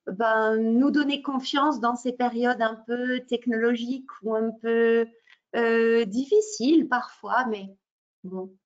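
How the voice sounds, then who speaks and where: A middle-aged woman from France presents a language-teaching webinar over a video call. Her voice sits a touch high, and she hesitates often, filling pauses and restarting phrases. The sound is dull and lo-fi, like a laptop microphone. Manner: hesitant, many fillers and restarts. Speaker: French teacher and trainer. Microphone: computer mic on a video call. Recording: muffled lo-fi webinar audio.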